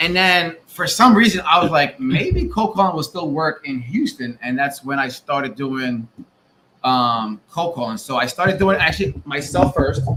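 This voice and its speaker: At a moderate pace, a man with a Philadelphia accent talks at a fairly high pitch with lively intonation. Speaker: real estate investor. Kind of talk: podcast interview. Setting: podcast.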